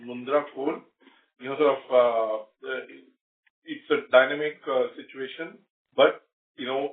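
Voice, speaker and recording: A male company executive speaking haltingly on an earnings call, leaning on repeated filler phrases. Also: mid-range voice. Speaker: company executive answering analysts. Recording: roomy, distant phone-like conference line.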